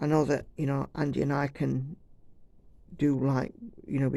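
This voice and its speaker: A soft-spoken woman with an English accent, a very deep, low pitch, a dark, mellow tone, flat monotone intonation and a moderate pace. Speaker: cross-stitch vlogger. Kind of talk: casual chat. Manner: loud.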